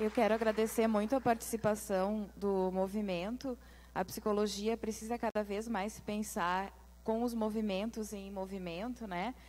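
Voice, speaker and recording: At a moderate pace, a woman delivers her lines with a fairly high pitch and monotone, flat intonation. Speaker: event host, psychology council member. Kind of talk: formal event introduction. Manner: halting. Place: stage. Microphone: handheld.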